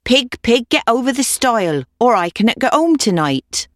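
A woman's voice: on the high side, big pitch swings, normal speed, no room sound, studio quality, voice pushed up. A woman voicing a fretful old woman who repeats her sing-song pleas. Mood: pleading. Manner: repetitive, sing-song pleading.

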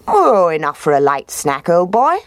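A woman voicing a sly, polite male fox who coaxes and flatters in a genteel manner. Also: fairly low pitch, normal speed, dry recording. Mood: coaxing. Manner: genteel, coaxing, says "old boy".

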